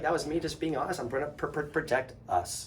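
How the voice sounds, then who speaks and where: Room echo can be heard clearly. The voice belongs to a man. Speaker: college softball head coach. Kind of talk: press conference. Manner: halting, frequent repetitions; candid, animated.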